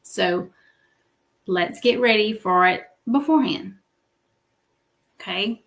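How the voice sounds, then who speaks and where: A middle-aged woman coaching viewers through a weekly business livestream, her medium-pitched voice carrying a gravelly fry. She talks directly to the audience and keeps checking in with them as she teaches. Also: slow, a bit bright. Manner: coaching, checks in with repeated "okay?" and "right?".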